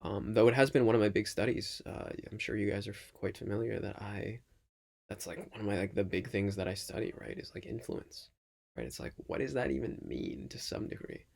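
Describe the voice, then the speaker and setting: A man talking casually to his audience in a reflective, halting monologue, often checking in with a questioning tag. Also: fairly low pitch, creaky, a little mellow. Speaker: vlog host.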